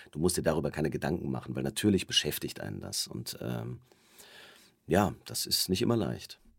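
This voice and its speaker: A man with a very deep, low pitch and vocal fry talks at a moderate pace. His pitch swings very widely. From Munich, Bavaria. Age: 40s. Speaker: stage and TV actor. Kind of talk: interview. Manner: halting, many fillers.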